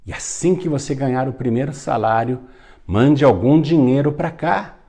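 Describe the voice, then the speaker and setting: A man's voice: medium pitch, moderate pace, warm tone, voice pushed up, close to an everyday voice. A man voicing a stern, poor farming father who gives firm, matter-of-fact instructions.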